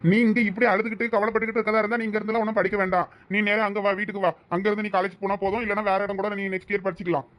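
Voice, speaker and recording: A man's voice: high-pitched, flat delivery, a bit bright, no room sound. A man with a Thoothukudi Tamil accent playing a protective young village man who teases and lectures his family. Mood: scolding. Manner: brisk, teasing, lecturing.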